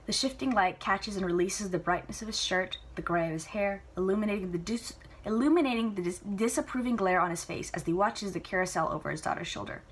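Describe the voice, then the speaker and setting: A woman's voice: medium pitch, brisk, slightly rough. A woman reading a novel aloud as an amateur storybook narrator. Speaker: amateur book reader. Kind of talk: storybook narration with casual asides.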